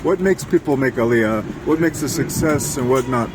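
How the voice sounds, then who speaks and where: A man interviewing casually in a halting, rambling, digressive way. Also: lively intonation. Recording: noisy, air conditioning and traffic rumble.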